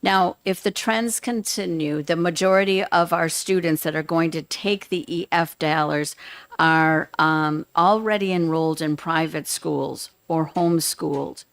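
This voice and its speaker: A retired woman educator testifies at a public hearing in a fairly low voice. She speaks in a measured, earnest way, and the recording is dry and close, with no room echo. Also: fairly even intonation. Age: older.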